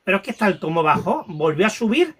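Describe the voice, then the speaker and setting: A man with a higher-than-usual voice tells a painful personal story. He stumbles, restarts and repeats phrases, his voice shaken and close to tears. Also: big pitch swings, fairly bright tone, slightly rough. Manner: halting, many restarts and repetitions. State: emotional, near tears. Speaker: guest recounting a paranormal experience.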